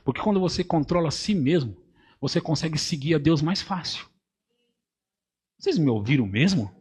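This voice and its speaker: High-voiced Brazilian pastor preaching. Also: male voice, breathy edge. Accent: Brazilian Portuguese. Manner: swings from quiet asides to loud shouted emphasis; playful, mimics voices and laughs with the congregation. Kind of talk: sermon.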